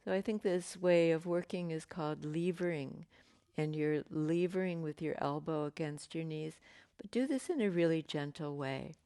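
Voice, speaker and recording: A woman teaching a yoga class, giving gentle, unhurried cues with pauses and fillers, her voice slightly croaky. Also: low voice, no room sound, studio quality. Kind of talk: guided yoga class instruction.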